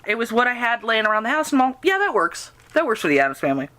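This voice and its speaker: A woman hosting a podcast, chatting casually in a rambling, giggly way that gets animated when she quotes people. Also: fairly high pitch, rapid-fire, no room sound. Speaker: podcast host interviewing a guest. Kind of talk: casual chat about fan fiction and radio drama.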